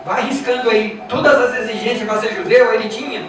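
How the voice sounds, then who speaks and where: Very high-pitched and brisk, a Brazilian pastor with a Brazilian Portuguese accent delivers an emphatic, repetitive sermon full of rhetorical questions for the congregation. He's captured from a distance in an echoing church, with music playing.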